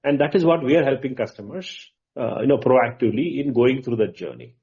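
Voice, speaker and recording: A man answers as a company executive on an earnings call, halting yet emphatic, posing questions and answering them himself. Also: mid-range voice. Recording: muffled, dull conference call audio.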